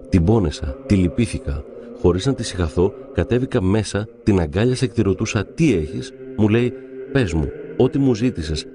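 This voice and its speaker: A man narrating devout stories in a calm, measured reading. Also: lowish voice. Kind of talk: reverent scripted reading of saints' stories.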